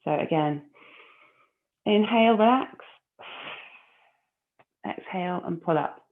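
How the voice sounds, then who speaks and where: A woman leading a core exercise class, giving calm, encouraging cues and breath counts. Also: on the low side, slow pace. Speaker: fitness instructor. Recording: phone-like narrow audio.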